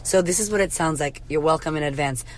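A woman with a husky, hoarse voice hosting a podcast, giving blunt, swear-laden motivational advice in a casual pep-talk. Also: low-pitched, quick pace, a little hiss or hum. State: hoarse from karaoke. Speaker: podcast host, confidence coach.

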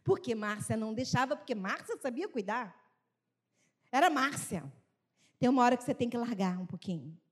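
Woman in her fifties, high voice, earnest church speaker sharing a testimony with acted-out dialogue. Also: expressive, moderate pace, breathy edge. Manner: earnest storytelling, acts out family dialogue. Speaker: women's ministry speaker. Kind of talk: sermon testimony.

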